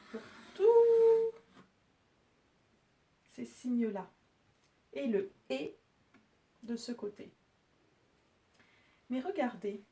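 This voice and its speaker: A woman's voice: fairly high pitch, warm tone. A woman teacher patiently explaining French spelling and syllables to pupils. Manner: slow, patient, clearly articulated explanations. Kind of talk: spelling lesson for children.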